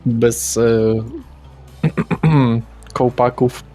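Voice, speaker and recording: A man's voice: medium pitch, drawn-out words, dark tone, soft background music. A man speaking in character in a tabletop roleplaying game, casual and rambling. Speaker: player.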